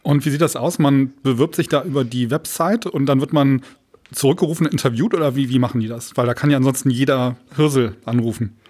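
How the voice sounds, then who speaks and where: A man's voice: medium pitch, fairly quick, a little mellow. A man hosting a podcast in a casual, informal and teasing manner. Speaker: podcast host.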